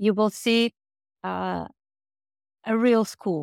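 At a fairly slow pace, a woman with a Portuguese accent speaks in a very clean recording with a silent background and a dry, close sound with no echo. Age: 40s. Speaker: horse trainer. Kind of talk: interview.

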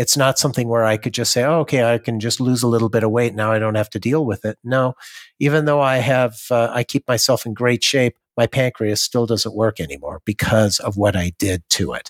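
Recorded very cleanly against a silent background, a man with an unremarkable speaking voice and ordinary pitch variation sounds dry and close, with no echo. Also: medium pitch for a man. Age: 50s. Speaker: stress relief expert and business owner. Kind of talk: casual interview chat. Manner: slow, calm, soothing pacing with gentle repeated 'maybe it's' prompts; relaxed, conversational with frequent fillers like uh and you know.

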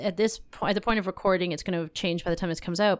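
Fairly low in pitch, a woman with a Canadian accent speaks in a plain, everyday voice with fairly even intonation. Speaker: podcast host and comedy writer. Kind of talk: casual chat. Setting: recording remotely from home.

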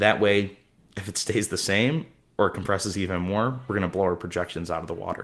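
With an unremarkable speaking voice, a man talks at a fairly quick pace and a fairly low pitch with ordinary pitch variation, recorded very cleanly against a silent background. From New York. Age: 20s. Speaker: real estate investor. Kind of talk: radio interview.

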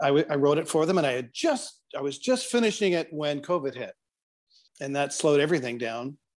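A man with a plain, everyday voice, fairly high in pitch with ordinary pitch variation, at a fairly quick pace against a quiet background. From Canada. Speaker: interviewer, writer-producer. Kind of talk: interview conversation.

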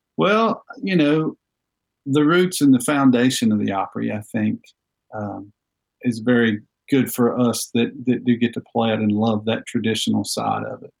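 A man with a North Carolina accent speaks at a moderate pace. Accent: Southern US, North Carolina. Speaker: bluegrass musician. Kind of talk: casual interview.

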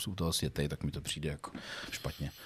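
A man speaks in a flat, monotone delivery. The recording is very clean, with a silent background. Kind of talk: casual chat. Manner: stutters.

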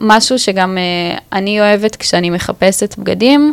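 This is a woman with a plain, everyday voice. She speaks at a fairly slow pace. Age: 20s. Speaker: community initiative organizer. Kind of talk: panel interview. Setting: studio.

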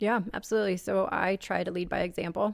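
A woman is speaking. She has an American accent. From US Midwest, Omaha, Nebraska. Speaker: nonprofit CEO. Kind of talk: interview.

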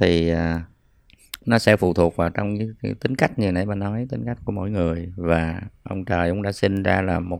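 The speaker is a man with a very deep, low pitch. He talks at a moderate pace with ordinary pitch variation. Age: 50s. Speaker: retired architect. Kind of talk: casual chat. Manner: halting.

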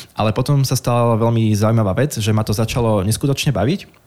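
A man talks at a very fast pace in a fairly low pitch. Noticeable background noise runs behind him. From Slovakia, Trnava. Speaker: pharmacist. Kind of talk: casual interview.

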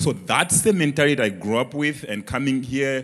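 A man with a Malawian accent talks at a medium pitch. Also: quiet background. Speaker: church member sharing ministry work. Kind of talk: onstage interview. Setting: church stage with congregation.

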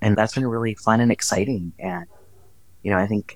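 A man with a Californian accent talks at a fairly low pitch and a fairly quick pace. The recording is very clean, with a silent background. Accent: Californian American. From Los Angeles, San Gabriel Valley. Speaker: youth soccer coach and supporters group president. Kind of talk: casual chat. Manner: animated.

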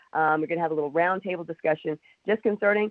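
The woman's voice is fairly low in pitch and shows ordinary pitch variation. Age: 40s. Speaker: pharmacist and radio host. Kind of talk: casual chat.

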